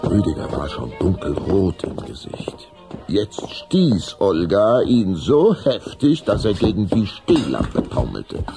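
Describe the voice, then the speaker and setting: A man as a measured storybook narrator in a children's audio drama, reading a scripted story. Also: low voice, wildly swooping pitch, gravelly, music in the background, heavily acted. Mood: narrating.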